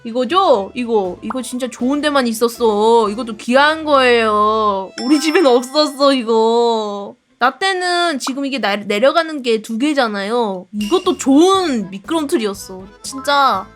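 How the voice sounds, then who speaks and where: A young woman streamer chatting casually and telling animated childhood stories with lots of laughter. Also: fairly high pitch, unhurried, hardly any pauses, soft background music. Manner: animated storytelling with frequent laughs and acted-out shouts. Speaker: streamer reacting to videos and reading chat.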